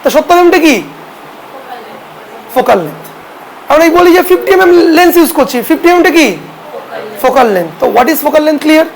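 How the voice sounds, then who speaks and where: High-voiced woman teaching a class. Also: a little fast, long pauses, poor audio. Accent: Bengali. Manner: asks students questions and answers them herself. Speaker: photography teacher. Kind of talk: classroom lesson.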